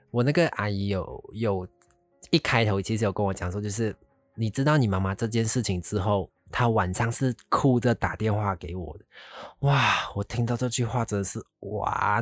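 Young man, low-pitched, halting emotional storytelling; dry close recording with faint music. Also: a little mellow, dry recording. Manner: emotional, halting, many fillers and restarts. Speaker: vlogger telling his own story. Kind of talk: personal storytelling.

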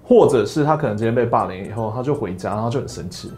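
A man's voice: fast, faint music behind. A young man with a Taiwanese Mandarin accent, hosting a casual solo podcast and telling stories animatedly, acting out other people's lines in raised voices. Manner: animated storytelling, acts out quotes with high voices. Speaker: podcast host.

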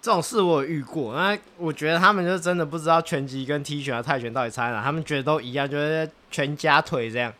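A man's voice: a little high, fast, few pauses, sharp tone. A man who coaches boxing, trading jokes and stories in a casual podcast chat. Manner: jokey, teasing banter.

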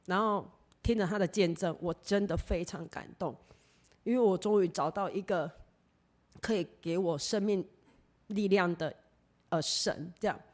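Woman, low voice, telling her faith story, earnest, does the voices of people in it. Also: moderate pace, pauses often. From Taiwan. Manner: earnest storytelling, acts out quoted dialogue. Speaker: church member giving testimony. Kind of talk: personal testimony.

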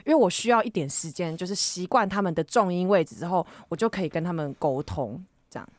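A woman's voice: on the low side, fast, dry recording. A woman co-hosting a podcast in casual, teasing chat. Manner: expressive, laughs a lot, teasing. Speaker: podcast co-host.

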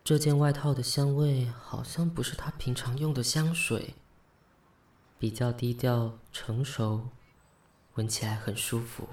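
A man's voice: medium pitch, little pitch movement, a little slow, darkish tone, lightly acted. An actor playing a hurt, weary young gay man in a Mandarin radio drama, with a Taiwanese accent and an emotive delivery. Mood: soft, tired. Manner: emotive, sighing, swearing. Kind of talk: radio drama acting with inner monologue. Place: studio.

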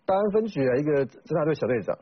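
A man's voice: on the high side, animated, fast talker, slightly rough. A man speaking as a guest on a political talk show, conversationally setting up a story. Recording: slightly dull broadcast audio.

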